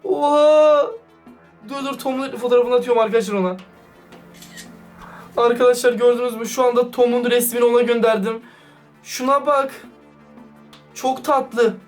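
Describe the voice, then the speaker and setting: A man doing excited, casual vlog commentary, slangy and talking straight to his viewers. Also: very high-pitched. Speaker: YouTuber reacting to a chat. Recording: distant mic with background music.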